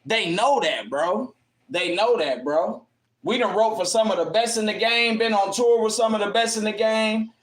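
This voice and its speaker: A man's voice: sits high, normal speed, fairly bright tone. A man with an African American English accent, a rapper talking casually to followers in a boastful, defiant way, repeating himself for emphasis. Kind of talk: casual hype talk to followers. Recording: roomy echo.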